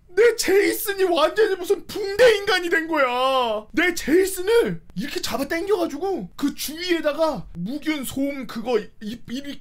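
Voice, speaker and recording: A young man telling a funny story in a casual, animated way, often shouting and wailing as he acts out the scenes. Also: very high-pitched. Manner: animated, shouts and wails while acting out scenes.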